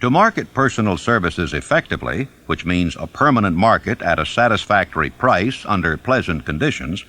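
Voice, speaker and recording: A man narrates a self-help audiobook in a fairly low voice. His pitch moves widely as he reads, and he lays out each point with deliberate emphasis. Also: sing-song, sharp tone.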